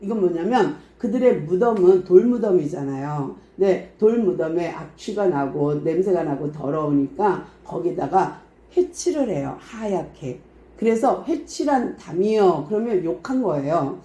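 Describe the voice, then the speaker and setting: A woman pastor retelling a Bible story in an animated, sermon-like way, acting out the characters' lines. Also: fairly low pitch, a little slow. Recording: echoey room.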